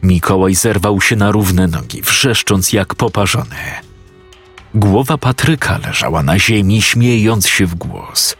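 A man narrating a horror story in a measured, storytelling manner. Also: lowish voice, fairly bright tone.

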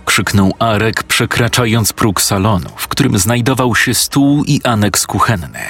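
Male narrator for a horror audio story: husky, low, slow, faint music under. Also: fairly bright tone. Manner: measured, suspenseful.

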